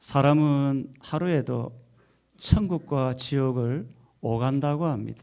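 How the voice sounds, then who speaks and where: Speaking very slowly, a man with a fairly high pitch and a dark, mellow tone shows ordinary pitch variation. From South Korea, Gyeongsang region. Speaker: pastor. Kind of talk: sermon. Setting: church.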